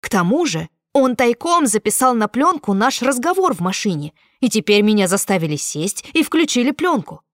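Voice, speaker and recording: A woman's voice: fairly high pitch, very animated, moderate pace, few pauses, dry recording. A woman narrating a novel in the first person as an audiobook reader, close to the mic.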